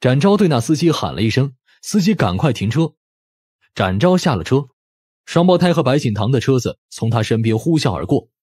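Male audiobook narrator: slightly rough, animated delivery, dramatic storytelling, close dry sound. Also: medium pitch, fairly quick, no room sound.

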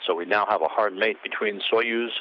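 Halting man on a muffled mission-control radio feed. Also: lowish voice, steady tone. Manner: halting, many fillers between phrases. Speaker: mission commentator. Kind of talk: live spaceflight commentary. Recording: dull lo-fi broadcast with faint hiss.

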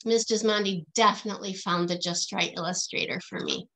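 A woman's voice: mid-range voice, animated, brisk, a bit bright. A middle-aged woman, a guest author, chatting casually and answering questions in simple, explanatory phrases for children over a video call. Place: small indoor room at home. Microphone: computer mic on a video call.

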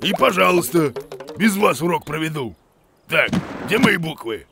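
A man's voice: on the high side, big pitch swings, measured pace, vocal fry, music in the background, exaggerated voice. A man voicing a grumpy, pompous bearded monster teacher in a children's cartoon, blustering and exclaiming. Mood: exasperated.

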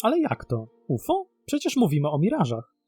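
A man's voice: on the high side, huge pitch swings, normal speed, mellow, breathy edge, soft background music. A man narrating a scripted mystery documentary in a dramatic storytelling manner. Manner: dramatic, posing rhetorical questions. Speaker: narrator and host of a mystery series.

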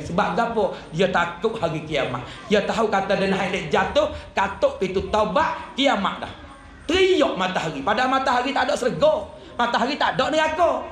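A man's voice: very high-pitched, a bit bright. A man preaching a sermon as a religious teacher, with a Kelantan-Patani Malay accent, telling it as a story and dropping his voice for drama. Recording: echoey room.

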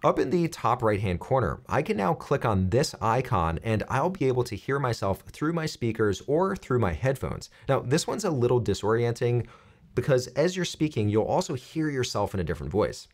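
A man in his thirties presenting a software tutorial, explaining things clearly step by step. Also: mid-range voice, sing-song, moderate pace.

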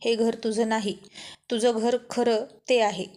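A woman's voice: fairly high pitch, little pitch movement, measured pace, a little mellow, close to an everyday voice. A woman voicing a stern, irritable young man who scolds in an exasperated way, in a told love story. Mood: scolding.

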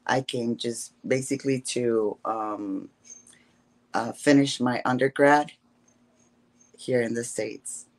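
Woman w a guatemalan spanish accent, slow halting talk, lots of ums, video call. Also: rumbling low, fairly even intonation. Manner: halting, hesitant, many fillers. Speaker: guest. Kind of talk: casual interview answers.

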